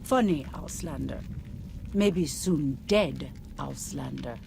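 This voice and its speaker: A woman playing a proud, menacing tribal warrior sentry in a video game, terse and stern in halting broken English. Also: a bass voice, creaky, background noise, full character voice. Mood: mocking threat. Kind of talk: video game character dialogue.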